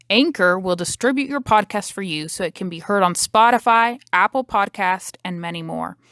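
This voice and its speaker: A woman's voice: mid-range voice, a bit bright, dry recording, clean studio sound. A woman delivering a scripted sponsor message for a podcast as its announcer. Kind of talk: scripted ad read.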